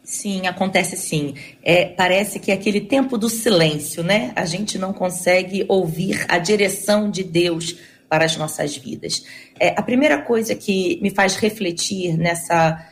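A woman pastor on a Christian discussion program, talking about worship in a calm, devotional, teaching way. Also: mid-range voice. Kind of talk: Christian radio discussion panel.

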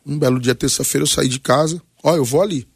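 A Brazilian man in his forties with a gravelly, creaky voice of middling pitch, speaking as a pastor. He tells his testimony and exhorts in short, emphatic, preacherly phrases. The sound is dry, with little room around it. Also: fast, dry recording. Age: 40s. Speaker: pastor, guest on a radio debate. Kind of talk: personal testimony and exhortation in a talk programme.

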